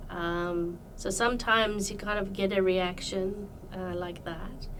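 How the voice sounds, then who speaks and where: Speech in an Iranian accent, flat and monotone, at a fairly slow pace. The room echoes audibly and background noise is noticeable. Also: woman, medium pitch for a woman. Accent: Persian (Iranian). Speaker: community leader. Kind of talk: interview. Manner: halting, many fillers.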